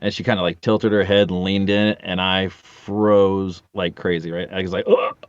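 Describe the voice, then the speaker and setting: A man's voice: sits low, flat delivery, normal speed, no room sound, muffled recording. A man in his forties chatting casually as a podcast guest, telling rambling, jokey anecdotes with casual swearing. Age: 40s.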